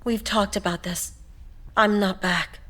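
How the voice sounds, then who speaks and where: An actress playing a cool, distant wife in dubbed film dialogue. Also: female voice, medium pitch, steady tone, unhurried, noisy background, lightly acted.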